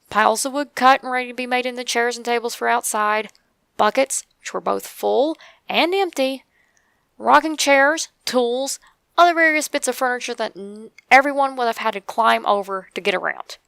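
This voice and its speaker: A woman with an Appalachian accent narrates a first-person scary story in a creaky voice, measured and with dramatic pauses. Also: fairly high pitch, a bit bright, no room sound. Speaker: narrator of true scary stories.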